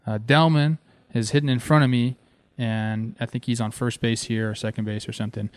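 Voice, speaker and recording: A man in his thirties from Southern California, a former ballplayer and host, telling stories in an excited, casual way. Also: a little fast, clear, resonant tone, dry recording. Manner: excited, animated, talks with fillers like "man" and "boom". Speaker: former ballplayer hosting a show. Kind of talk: casual storytelling.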